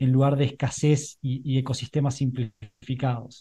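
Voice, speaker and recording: A man's somewhat breathy, dark, mellow voice in a Rioplatense accent, at a fairly slow pace. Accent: Argentine Spanish (rioplatense-style, voseo). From Argentina, southern Patagonia. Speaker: startup founder and CEO. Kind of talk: interview.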